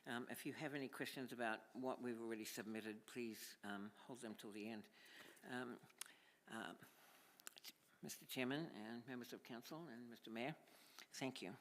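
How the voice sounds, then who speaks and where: A man's voice: mid-range voice, moderate pace, a bit bright, slight background noise. Firm New Zealand man addressing council. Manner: firm, pointed, reading from notes. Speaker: submitter to a council hearing. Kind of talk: reading a prepared submission. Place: large council chamber. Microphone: desk microphone. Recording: long reverb of a council chamber.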